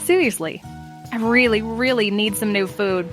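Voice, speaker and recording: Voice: mid-range voice, normal speed, a bit bright, soft background music, pitched above the performer's own voice, close to an everyday voice. A storyteller voicing a talking female pet dog who whines and pleads about her food. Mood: pleading. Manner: whiny, pleading.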